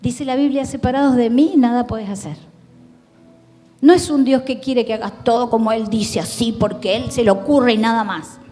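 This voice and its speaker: A woman's voice: a little high, normal speed, warm tone, in a large hall, soft background music. A woman pastor with an Argentine accent, preaching a sermon in an earnest, pleading way, talking straight to the listener. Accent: Argentine Spanish. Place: church hall.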